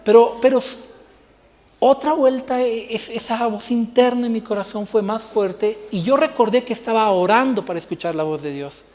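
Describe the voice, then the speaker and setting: A man's voice: very high-pitched, moderate pace, darkish tone, big-room sound. A male pastor preaching a sermon, telling a personal story and acting out the dialogue. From Bolivia.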